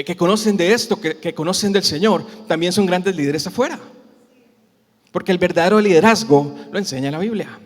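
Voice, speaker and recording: A man with a Costa Rican Spanish accent preaches to a congregation, asking them questions and acting out the cries of the people in his story. His voice sits high for a man. The church hall gives it a long, ringing reverb. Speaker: pastor. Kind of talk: sermon.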